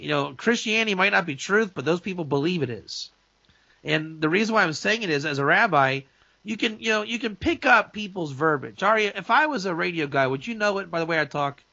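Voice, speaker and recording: A male rabbi holds forth in opinionated talk-show chat, emphatic and quick to restart his sentences. His voice is gravelly and bright, a little higher than most men's. The sound is dry and slightly dull. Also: no room sound. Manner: emphatic, many restarts and asides. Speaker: rabbi and guest speaker.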